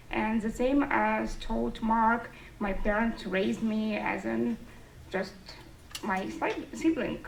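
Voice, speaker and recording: Woman with creaky voice in echoey room. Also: a little high. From Estonia. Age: 30s. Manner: non-native English phrasing. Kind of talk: public speech to an audience. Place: indoor forum room with an audience. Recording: distant mic, roomy echo, faint noise.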